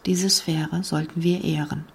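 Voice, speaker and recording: Woman reading a calm, suggestive seminar leader. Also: low voice, measured pace, breathy edge, exaggerated voice. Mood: calm pleading. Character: calm commanding female seminar leader, middle-aged.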